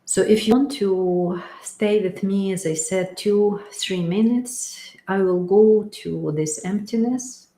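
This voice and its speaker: Slow, gravelly-voiced woman in an echoey room. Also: mid-range voice. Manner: slow, calm, pausing often with fillers. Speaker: spiritual teacher. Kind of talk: guided meditation talk. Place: room in a house. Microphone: webcam or phone camera.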